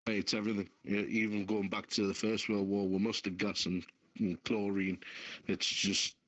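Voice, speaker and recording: A man's voice: lowish voice, flat delivery, normal speed, fairly bright tone. A man giving blunt, emphatic opinions as a panellist on a casual talk show. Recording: dull, lo-fi audio.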